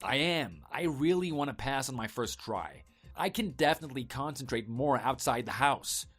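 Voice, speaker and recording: A man's voice: mid-range voice, lively intonation, normal speed, fairly bright tone, breathy edge, faint music behind. A man playing an evasive husband in a scripted online story drama, talking casually and persuasively to placate his wife. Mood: upbeat, persuasive.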